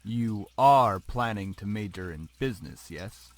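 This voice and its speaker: A man's voice: on the low side, animated, unhurried, dry recording. A man voicing a stern, short-tempered businessman father in a story game, clipped and condescending. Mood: curt, condescending.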